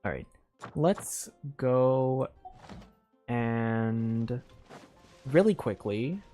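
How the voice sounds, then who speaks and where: Slow-paced, tired male game streamer. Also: lively intonation, mellow, faint music behind. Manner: low-key, meandering thinking aloud. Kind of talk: casual live gameplay commentary.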